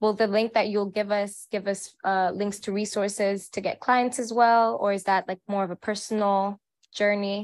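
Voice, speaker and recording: In a very clean recording with a silent background, the speech moves at a moderate pace with monotone, flat intonation. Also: woman, medium pitch for a woman. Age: 20s. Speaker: interviewer, intellectual property lawyer. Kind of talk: interview, casual chat.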